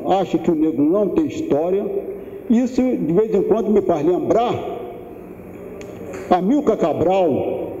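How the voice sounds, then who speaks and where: A man in his seventies lectures slowly and thoughtfully in a voice that sits high yet sounds very dark and mellow. The sound is dull and lo-fi, with a long hall reverb around it. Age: 70s. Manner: unhurried, thoughtful, with pauses and restarts. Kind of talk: public lecture. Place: large lecture room.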